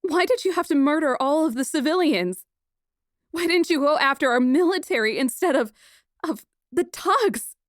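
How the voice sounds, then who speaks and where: A woman's voice: sits high, animated, normal speed, no echo, studio quality, voice pushed up. A woman voicing a proud, hot-tempered young princess in an audiobook, imperious and full of emotion. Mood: anguished fury. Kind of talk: audiobook character acting.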